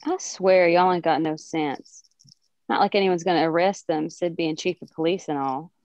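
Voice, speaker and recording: A woman playing an irritable, sharp-tongued small-town wife of thirty, scolding and wry in folksy country diction at a table read. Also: on the low side, fairly even intonation, moderate pace, dry recording, natural voice. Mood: scolding, snide.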